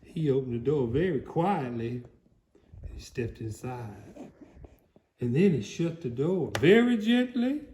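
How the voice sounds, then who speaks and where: Casting: goofy cartoon gator storyteller, played by a man, slow, highish, hammy and rambling. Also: a little hiss or hum. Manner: theatrical, booming shouts, rambling, breaks into laughter. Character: goofy male alligator puppet reading a storybook aloud. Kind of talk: comedic dramatic storybook reading.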